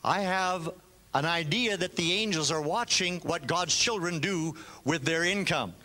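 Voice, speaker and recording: Older man, preacher from Canada, bright voice, slightly high pitch, short phrases for an interpreter. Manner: storytelling, pauses in short phrases for translation. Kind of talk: sermon with live interpreter.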